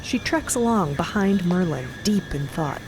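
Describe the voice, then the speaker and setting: A woman's voice: fairly low pitch, expressive, measured pace, background noise. A woman narrator reading scripted, dramatic storytelling for an audio drama.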